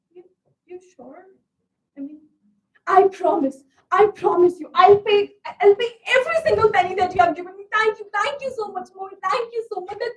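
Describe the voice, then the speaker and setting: A woman's voice: very high-pitched, far from the mic, rough recording. A woman acting a desperate young female student on stage, pleading and stammering through tears. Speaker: stage actor in a one-act play. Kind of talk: live stage monologue.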